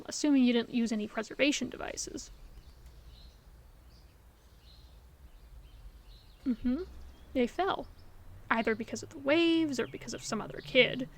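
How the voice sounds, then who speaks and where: Woman playing a sweet hopeful best friend girl in an audio drama, high voice, earnest and comforting, talks right to you. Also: gravelly. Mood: gentle, nostalgic. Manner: earnest, reassuring, conversational. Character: gentle, hopeful female best friend comforting her secret crush. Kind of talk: scripted audio roleplay, intimate one-sided dialogue to the listener.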